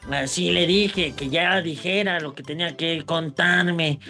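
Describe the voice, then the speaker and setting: A man's voice: a little high, steady tone, unhurried, bright, forceful tone, faint music behind. A man with a Mexican accent, co-hosting a sports podcast and telling stories in a playful, teasing way. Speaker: podcast co-host. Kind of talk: joking sports chat.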